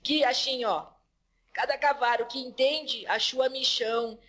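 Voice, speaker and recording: A woman medium voicing the male spirit Exu, who talks slowly with a folksy drawl and laughs between phrases. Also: sits high, fairly even intonation, a bit bright. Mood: earthy, chuckling. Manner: drawling, folksy speech, calls listener "filho". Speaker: medium channeling an entity.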